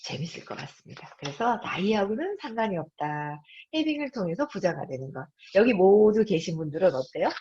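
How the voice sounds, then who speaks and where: Fifties woman, live-stream host; animated, acts out her thoughts, slightly husky, muffled audio. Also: medium pitch, brisk, hardly any pauses. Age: 50s. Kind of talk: live-streamed book talk to an audience. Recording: dull lo-fi sound.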